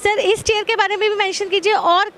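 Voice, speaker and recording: A young woman reporting from a busy expo hall on a handheld mic, her voice pitched very high. She talks in a bright, upbeat presenter's manner. Faint hall noise runs underneath. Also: flat delivery, fairly quick. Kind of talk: expo stand interview and piece to camera.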